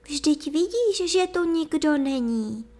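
A woman voicing a pale, sorrowful young princess, speaking high, soft and pleading in a storybook reading. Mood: calm soothing.

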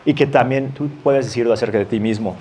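Un hombre que predica un sermón en tono conversacional, leyendo pasajes bíblicos y riendo un poco de vez en cuando. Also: male voice, medium pitch, fast, darkish tone, slight background noise. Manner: conversational, reads scripture aloud with light laughs. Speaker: pastor. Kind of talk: sermon.

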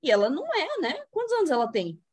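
A woman with a Brazilian accent co-hosting a podcast, telling stories in animated, slangy casual chat. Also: sits high, quick pace, a crowd in the background. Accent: Brazilian Portuguese. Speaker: podcast co-host. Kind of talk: casual chat about a TV series.

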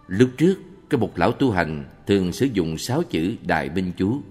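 A man reading a monk's answers aloud in a calm, measured Buddhist question-and-answer recording. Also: sits low. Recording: long reverb with faint background music.

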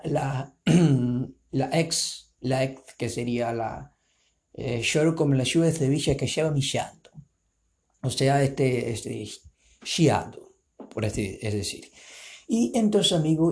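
A man's voice: mid-range voice, creaky, warm tone. Young man, brazilian accent, native portuguese speaker, rambling, playful podcast host. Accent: Brazilian Portuguese speaker, mixing in an Argentine lilt. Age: 20s. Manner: rambling, playful, self-mocking, switches into put-on voices. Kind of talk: casual solo podcast talk.

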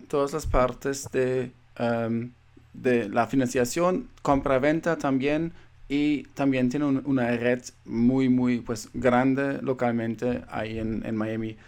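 A man's voice: mid-range voice, darkish tone. A man hosting an interview, asking questions hesitantly with many filler sounds. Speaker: interview host.

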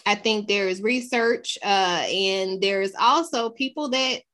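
A woman co-hosting a podcast in casual chat, playful and quick to interject, slipping into vernacular. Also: medium pitch, a bit bright. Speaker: podcast co-host.

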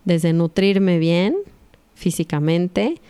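A woman in her thirties with a Mexican accent, telling a spiritual story to her audience in a casual, animated, confiding way. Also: fairly low pitch, very slow, clear, resonant tone. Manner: animated, confiding, often asks "right?".

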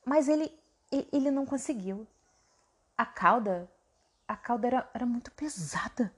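A woman telling a devotional story in an animated, explaining way. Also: a little high, moderate pace, husky.

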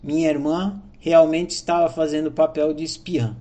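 A man's voice: a little high, flat delivery, normal speed, mellow. A man with a Brazilian Portuguese accent, reading a personal diary entry aloud in an earnest, reflective way. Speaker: diary narrator.

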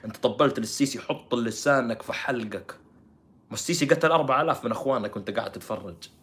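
A man's voice: mid-range voice, rapid-fire, a bit bright. A man giving heated political commentary, mocking and firing rhetorical questions.

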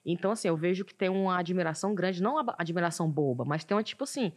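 A woman, a guest in an interview, telling her story in a reflective, animated way. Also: lowish voice, very fast. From Northeast Brazil. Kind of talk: casual interview talk.

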